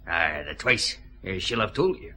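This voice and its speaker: An actor playing a sly, easygoing jailed newspaper seller with a Scottish accent in a radio detective drama. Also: male voice, sits low, big pitch swings, moderate pace, pushed and bright, exaggerated voice. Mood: wheedling. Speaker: small-time drunk informant.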